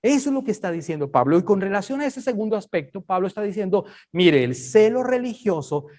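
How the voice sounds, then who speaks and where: A man's voice: sits high, very animated, fast, darkish tone. A man preaching a Bible study, emphatic and conversational, often checking that listeners understand.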